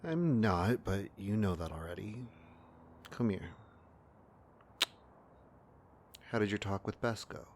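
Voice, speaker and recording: Audio drama partner, played by a man: deep, grave and gentle, tired and ailing, quietly knowing, measured delivery. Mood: weary, tender. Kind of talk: fiction podcast acting.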